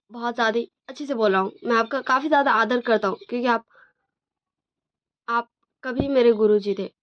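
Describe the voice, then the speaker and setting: A proud young parent who stands firm, read by a woman close to her own voice. The voice is on the high side for a woman, and the recording is dull and lo-fi. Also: natural voice.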